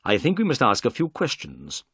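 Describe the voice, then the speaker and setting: A calm, clever male detective, voiced by a storyteller, brisk and polite, with lively pitch that rises and falls. The sound is dry and close-miked. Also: slightly rough, dry recording, full character voice.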